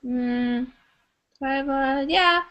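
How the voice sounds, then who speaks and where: A woman running a relaxed online English lesson, her voice sitting a little higher than most. She keeps drawing students out with question after question and warm encouragement. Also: extremely slow. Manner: encouraging, asks many questions. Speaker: English teacher. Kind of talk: online group class.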